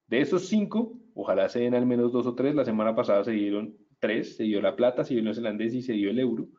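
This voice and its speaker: A man's voice: medium pitch, expressive, quick pace, lo-fi sound. A man presenting a live market analysis webinar, chatty and upbeat, talking straight to his viewers.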